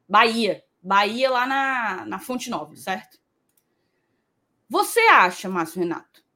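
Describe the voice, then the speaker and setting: A woman's voice: medium pitch, fairly bright tone. A woman co-hosting a live sports stream, chatty and playful, reading viewer comments aloud. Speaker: podcast co-host. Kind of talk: casual live-stream chat.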